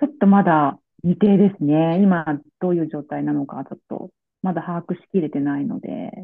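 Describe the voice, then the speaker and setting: A woman at a fairly low pitch and moderate pace, with ordinary pitch variation and big swings in loudness. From Japan, Nagano. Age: 40s. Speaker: hairdresser and makeup artist, cancer patient. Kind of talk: interview. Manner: halting.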